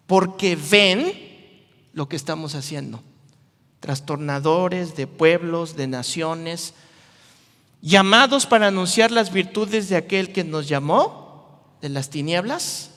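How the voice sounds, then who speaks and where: Male pastor, high voice, animated and jokey, with long reverb from a large hall. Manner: animated, jokey, playful asides to the crowd. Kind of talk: lively youth sermon with acted-out voices.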